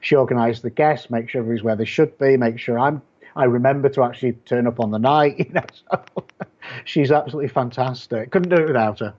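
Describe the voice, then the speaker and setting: Talking quickly in a mid-range voice, a man from Yorkshire with a Yorkshire English accent rambles bluntly as an interview guest, often restarting sentences. He writes and publishes horror. The recording is darkish, with the highs cut off.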